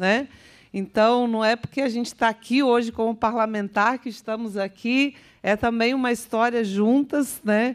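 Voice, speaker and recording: A woman's fairly high pitch comes through in a quiet background. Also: fairly even intonation, moderate pace. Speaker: state legislator. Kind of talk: political speech. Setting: assembly hall with audience. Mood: warm, engaged. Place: meeting room. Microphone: podium.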